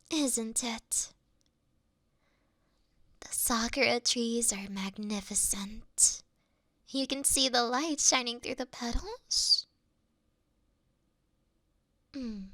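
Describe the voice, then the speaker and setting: A woman playing a mischievous, affectionate fox-spirit shrine priestess in an intimate roleplay, coy and teasing, often slipping into a breathy whisper. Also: a little high, a bit bright, dry recording, studio quality. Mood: soft, flirty. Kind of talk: intimate roleplay ASMR acting.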